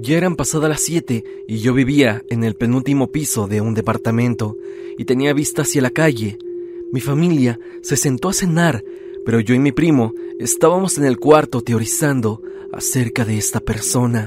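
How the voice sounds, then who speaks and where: This man has a fairly high pitch and ordinary pitch variation, speaking at a moderate pace. Noticeable background noise is present. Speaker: horror channel host reading listener stories. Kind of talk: scripted narration of listener-sent ghost stories, read aloud.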